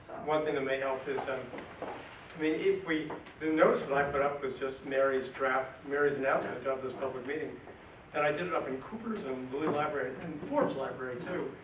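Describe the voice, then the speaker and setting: A man at a fairly high pitch and fairly quick pace, fairly even in intonation, with noticeable background noise. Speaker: committee member. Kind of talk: public meeting. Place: meeting room. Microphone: camera far.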